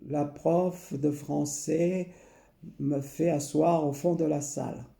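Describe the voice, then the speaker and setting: Older guy, slow and halting, dark gravelly voice, echoey room. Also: a little high, fairly even intonation. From Portugal. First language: Portuguese. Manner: hesitant, many pauses and repeated phrases. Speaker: memoir narrator. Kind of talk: slow personal recollection.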